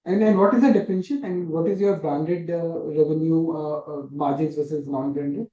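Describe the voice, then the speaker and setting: A man's voice: fairly high pitch, fairly even intonation, fairly quick, dark tone. A man asking questions as an analyst on a conference call. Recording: dull, echoey conference call audio.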